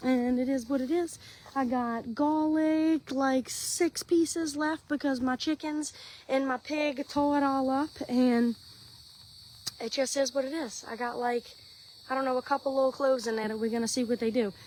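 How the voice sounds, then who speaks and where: A woman's high-pitched voice with an American accent, moderate pace and fairly even intonation. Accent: Louisiana Cajun-tinged Southern US. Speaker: reality TV personality and gator hunter. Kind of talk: casual livestream chat. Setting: outdoors in a garden, live stream. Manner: casual, hesitant with fillers.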